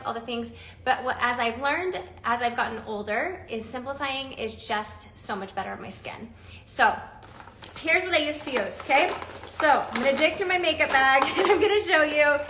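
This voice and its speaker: Bright, high-voiced bubbly woman in her forties. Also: echoey room, a little hiss or hum. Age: 40s. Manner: bubbly, chatty, laughs often. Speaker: makeup seller hosting a live stream. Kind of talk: casual live-stream chat.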